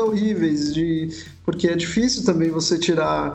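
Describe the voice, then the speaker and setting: In a São Paulo accent, a man speaks with fairly even intonation. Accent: paulistano Brazilian Portuguese. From São Paulo, Brazil. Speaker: journalist and editor. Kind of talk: casual interview chat.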